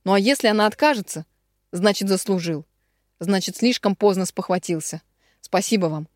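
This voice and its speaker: A woman's voice: mid-range voice, normal speed, dry recording, studio quality, natural voice. A woman reading an audiobook, voicing a weary man who confesses in a heavy, subdued way. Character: man in his thirties, weary, confessing, resolute.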